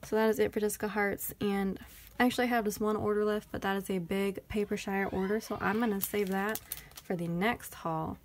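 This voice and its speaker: A woman's voice: mid-range voice, fairly even intonation, brisk. A woman with a Texan accent chatting casually through a planner sticker haul, rambling and thinking aloud. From Texas. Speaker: planner vlogger.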